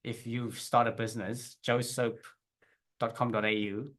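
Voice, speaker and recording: In a relaxed interview, a forties-aged South African man who runs his own business recounts his story, with fillers and false starts sprinkled throughout. He speaks at a measured pace in a mid-range voice.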